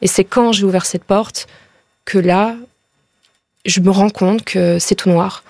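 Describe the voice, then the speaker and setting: A woman's voice: medium pitch, fairly even intonation, slow pace, vocal fry, a little mellow, no room sound, clean studio sound. A young woman from northern France, a radio guest telling her story with hesitant speech and many fillers. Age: young adult. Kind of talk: personal testimony. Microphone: studio microphone.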